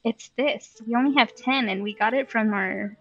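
A woman's voice: fairly high pitch, moderate pace, fairly bright tone, highs cut off. A woman chatting casually as she plays a game, thinking aloud with playful exclamations and muttering to herself. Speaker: let's play host.

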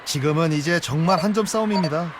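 A man plays a video game baseball analyst with a high-pitched voice. He explains the play in a conversational, analytical way, with loud music behind him. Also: quick pace, natural voice. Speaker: baseball color commentator. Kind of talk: sports game analysis commentary.

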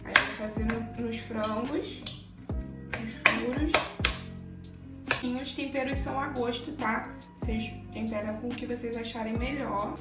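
Young woman, cooking vlogger, high and chatty; echoey kitchen, off-mic, music bed. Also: steady tone, a little slow, recorded from a distance. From Brazil. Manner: chatty, addresses viewers affectionately. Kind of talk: casual cooking vlog. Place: home kitchen, indoors.

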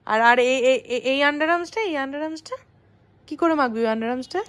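Woman vlogger, high voice, casual family chat with a toddler. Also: racing, a bit bright. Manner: talks sweetly to a small child, coaxing and playful.

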